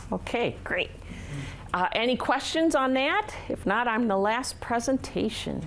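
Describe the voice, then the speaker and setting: Lively intonation from a woman in an American accent. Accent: Wisconsin accent (cheese remark). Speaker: extension educator. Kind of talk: workshop presentation.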